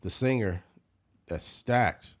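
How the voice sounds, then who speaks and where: A man's voice: fairly low pitch, slow pace. A man from California hosting a podcast, joking in casual chat and laughing often. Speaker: podcast host.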